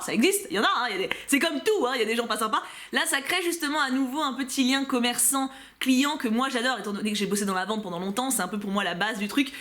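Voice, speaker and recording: Chatty high-voiced woman. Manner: chatty, animated, bursts of excited shouts. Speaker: book box unboxing vlogger. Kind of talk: casual unboxing chat.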